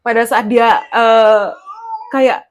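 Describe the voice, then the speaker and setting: A woman's voice: fairly high pitch, steady tone, slow. A woman giving a casual tarot reading straight to the listener, chatty and rambling. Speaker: tarot reader.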